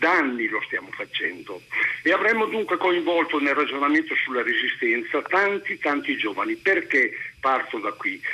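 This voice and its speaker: Clear background noise surrounds a man who talks at a medium speed. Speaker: caller. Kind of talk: phone call comment. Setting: phone call.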